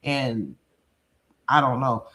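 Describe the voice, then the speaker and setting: A woman in her thirties from Chicago, hosting a casual livestream and reading chat in a blunt, animated, profane way with frequent laughter. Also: extremely low pitch, very slow.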